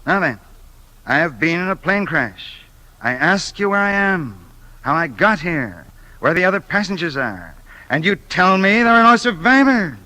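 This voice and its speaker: A pompous politician, high bright voice, lawyerly, insistent, old radio play. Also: male voice, sing-song, moderate pace, full character voice, poor audio. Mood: stern. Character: pompous male politician, stubborn and suspicious. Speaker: the Investigator. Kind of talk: 1950s radio play acting.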